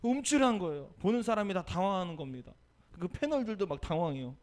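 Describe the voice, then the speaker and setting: A male pastor giving a Sunday sermon, telling a story with lively energy and asking the congregation questions. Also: sits high, fast. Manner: animated storytelling, acting out quotes.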